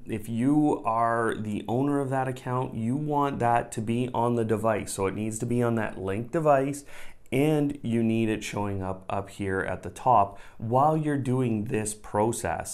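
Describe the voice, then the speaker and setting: A man's voice: medium pitch, darkish tone. A man, hosting a conversational step-by-step tech tutorial and rephrasing his instructions as he goes. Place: small indoor room at a desk.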